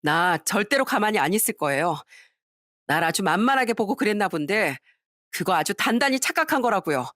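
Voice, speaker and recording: A woman's voice: medium pitch, sing-song, brisk, fairly bright tone, no echo, studio quality. A woman voicing a harassed young wife who speaks in an emphatic, accusing way. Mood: indignant.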